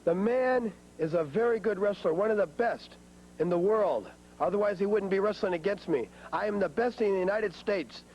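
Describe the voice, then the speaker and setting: A high-pitched man boasts his way through a wrestling interview. He sounds cocky and emphatic, recorded on old television tape with a faint hum. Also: normal speed, darkish tone, lo-fi sound.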